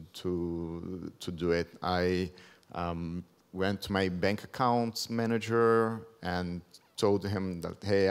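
Standing at the podium of a big conference hall, a Portuguese-speaking man from Brazil in his thirties gives a careful talk in accented second-language English, full of ums. He has a low, clear and resonant voice, picked up by the podium mic.

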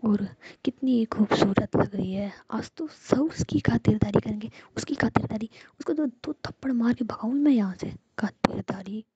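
A woman's voice: on the high side, normal speed, dark tone, dull audio, slight background noise, natural voice. A woman voicing a hurt, jealous young woman with snappy, sulking retorts, in a whispered role-play. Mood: sulky. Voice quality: breathy whisper.

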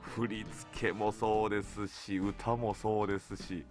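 A man hosting a radio show from a studio in an upbeat, animated manner, chatting with guests. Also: fairly low pitch, a little slow, soft background music. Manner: animated, frequently laughing and agreeing. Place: radio studio, seated at a table. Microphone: studio boom microphone, speaking through a face mask.

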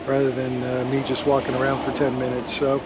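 A middle-aged man vlogging a casual walking tour, talking in a relaxed, chatty way with many ums, filmed on a camera held at arm's length in a sunny harbor area. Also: medium pitch, brisk. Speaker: travel vlogger. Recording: loud outdoor street noise.

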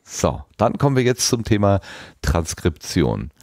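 A man's voice: deep voice, big pitch swings, unhurried, gravelly, darkish tone, no echo, studio quality. A man casually moderating a podcast conversation as its host.

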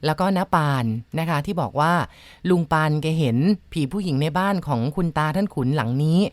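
A woman narrating ghost stories in a measured, dramatic storyteller's manner, addressing her listeners politely. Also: deep voice, animated, no room sound. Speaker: storyteller host.

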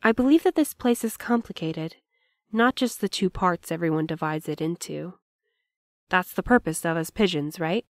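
A woman playing a thoughtful, dreamy young courier who speaks softly and muses philosophically. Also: on the low side, expressive, normal speed, dry recording, clean studio sound. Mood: musing. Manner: soft, musing, philosophical.

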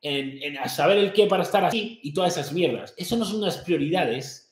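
Guy in his 30s ranting at the camera, foul-mouthed and pushy, kinda high voice, echoey room. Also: animated, brisk. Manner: brash, profane and confrontational, gesturing broadly. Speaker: fitness and business influencer. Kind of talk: motivational rant to camera. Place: small home office, indoors.

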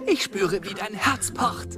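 A man's voice: high voice, measured pace, over music. A man voicing a goofy, eager young male mammoth who gushes and talks sillily. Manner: gushing, silly, excitable.

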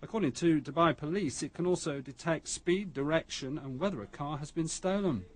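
A man's voice: on the high side, fairly quick. A man reading a scripted news and sports bulletin in a radio newsreader style.

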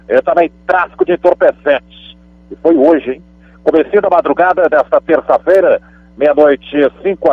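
A man's voice: on the high side, no room sound. A male reporter with a Brazilian Portuguese accent reads a radio police bulletin in a chatty way, throwing in emphatic asides as he goes. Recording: dry, phone-like radio line.

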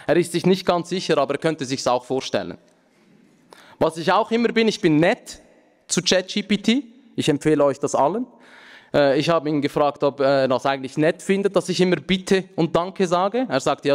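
A man in his thirties, a native Aramaic speaker, giving a relaxed conference talk from a lectern with joking asides and frequent filler sounds. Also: a little high. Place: large conference hall, at a lectern. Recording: reverberant hall.

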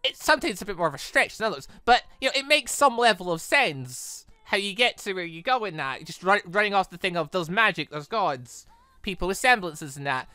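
A man's voice: sits high, expressive, brisk, pushed and bright, clean tone, dry recording, soft background music. A man hosting a gaming channel, rambling enthusiastically as he wraps up a visual novel playthrough. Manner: rambling, enthusiastic, many restarts. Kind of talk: casual game wrap-up commentary.

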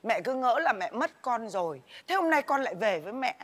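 A woman playing a tender mother who talks haltingly and from the heart in a stage comedy sketch. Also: on the high side, sing-song, a bit bright. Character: poor, tender mother hiding her hardship.

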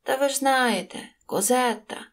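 A woman voicing a greedy, scheming innkeeper's wife from a storybook, whining and fawning, pitched above her own voice. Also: a little slow. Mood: eager.

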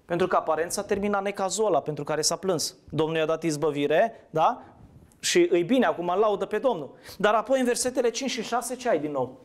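A man delivers a sermon in a relaxed, conversational way, often putting questions to his listeners and then answering them. His voice sits a little high for a man. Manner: asks the audience questions, conversational. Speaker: preacher. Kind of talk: interactive sermon.

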